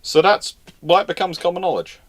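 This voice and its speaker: A man's voice: high-pitched, fairly quick. Man casually fielding history questions live. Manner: rambling, repeats and restarts phrases, informal expert. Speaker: host answering audience questions.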